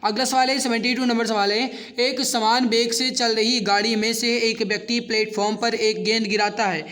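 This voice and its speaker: High, bright-voiced male teacher. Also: level tone, moderate pace. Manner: instructive, addresses students directly, repeats questions and answers. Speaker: exam-prep science teacher. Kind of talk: online lesson, working through quiz questions.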